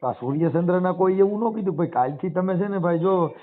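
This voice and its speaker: This high-pitched, brisk male speaker has a Saurashtra Gujarati accent and talks over the telephone, the recording muffled and narrow-band. He argues his opinions forcefully, using casual language and rhetorical questions.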